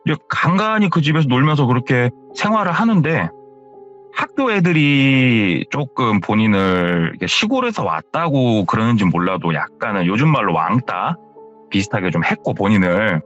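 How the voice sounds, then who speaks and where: A man's voice: mid-range voice, sing-song, normal speed, fairly bright tone, muffled recording, soft background music. A man narrating a horror story in a casual, chatty retelling, as the show's storyteller. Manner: casual spoken retelling, hearsay endings. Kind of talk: retold first-person horror story.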